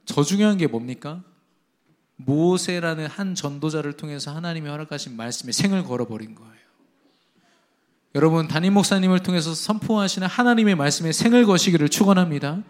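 A man preaching a sermon, emphatic, rising to strong exhortations and dropping low again, with quoted dialogue in his stories. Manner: tells a family anecdote with quoted dialogue.

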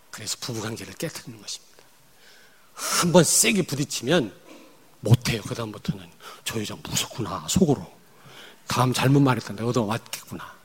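A male pastor preaching a sermon, emphatic, jumping from loud outbursts to quiet asides. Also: mid-range voice, breathy edge, long reverb tail. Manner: acts out angry confrontations in quoted speech. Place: church.

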